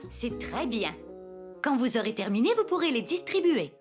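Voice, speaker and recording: A cartoon daycare teacher, kindly and encouraging with small children. Her voice is high and swings in a lively way as she gives instructions, over faint music. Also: normal speed.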